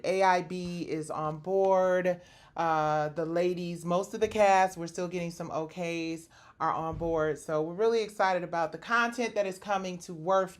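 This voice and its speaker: A woman host speaking straight to her viewers in an upbeat, chatty wrap-up that promotes her shows. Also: lowish voice. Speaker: show host and producer.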